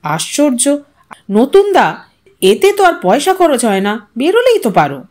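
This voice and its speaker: A woman narrator acts out a simple housewife in an audio story. Her voice is high and lilting, with wide swings of intonation. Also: wildly swooping pitch, unhurried, darkish tone, full character voice. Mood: delighted. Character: Kalyani, simple housewife, shifting from delighted to faint-voiced.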